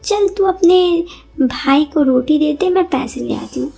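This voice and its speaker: A woman's voice: sits high, measured pace, vocal fry, dark tone. A woman voicing a playful young village sister-in-law who teases in a rustic dialect. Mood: teasing.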